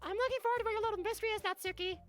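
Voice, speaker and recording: A man's voice: very high-pitched, steady tone, rapid-fire, a bit bright, faint music behind, pitched above the performer's own voice. A man voicing a shy, sweet, polite schoolgirl character in a visual novel. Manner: polite, girlish.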